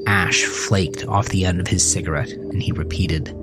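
A man narrating scripted horror fiction in a deliberate, dramatic storytelling manner. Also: deep voice, fairly even intonation. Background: music.

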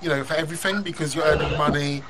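Male host, higher voice, rambling; noisy recording. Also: steady tone, quick pace. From London. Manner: rambling, many restarts and "you know"s. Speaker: podcast host. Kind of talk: casual interview. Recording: loud background noise.

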